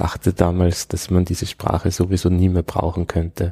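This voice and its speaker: A man with a very deep, low pitch and a dark, mellow tone is recorded dry and close with no echo, very clean against a silent background. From Austria, Tyrol (Innsbruck). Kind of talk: interview. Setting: office.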